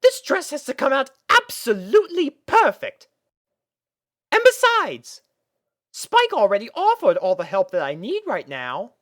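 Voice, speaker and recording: A woman's voice: a little high, wildly swooping pitch, unhurried. A woman voicing a refined, affectionate elder sister pony in a fan fiction audio drama, genteel and coaxing. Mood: fond, coaxing.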